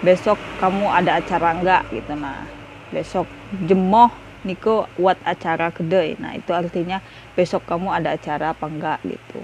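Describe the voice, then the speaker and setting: A woman's voice: lowish voice, fairly even intonation, moderate pace, a little mellow, slight background noise, low-quality recording. A young woman giving a casual video lesson on words, chatty and full of fillers. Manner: chatty, repeats "ya guys", many fillers. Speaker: language tutor.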